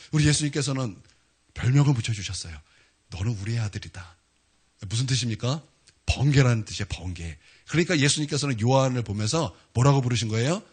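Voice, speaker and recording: With a husky, mid-range voice, a pastor preaches a sermon, telling stories casually and humorously. He uses many fillers and builds up to emphatic declarations.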